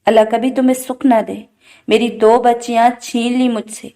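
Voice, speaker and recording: A woman's voice: fairly high pitch, level tone, mellow, lightly acted. A woman voicing a grieving, furious mother with a bitter, scolding manner, in a storybook reading.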